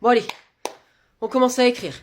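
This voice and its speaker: A woman's voice: on the high side, fairly quick, slight background noise, close to an everyday voice. A woman playing an impatient, bossy schoolteacher in a comedy sketch. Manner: curt, bossy. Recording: roomy echo.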